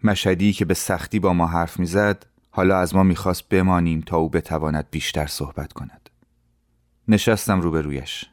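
A man giving calm, measured first-person narration for an audio drama. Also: low voice.

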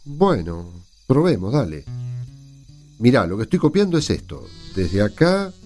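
A man's voice: medium pitch, sing-song, a little slow, darkish tone, soft background music. An actor playing a sleepless, impatient Argentine man cramming for an exam in a radio drama, with a blunt colloquial manner.

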